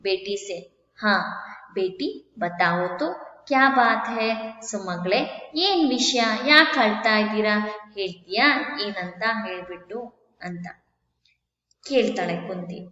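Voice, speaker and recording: A woman's voice: mid-range voice, expressive, measured pace, pauses often, pushed and bright. A woman, teaching a story lesson. She reads each line and then explains it again. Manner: reads Hindi lines, then retells them in Kannada. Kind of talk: explaining a Hindi textbook story in Kannada. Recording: echoey room, dull sound.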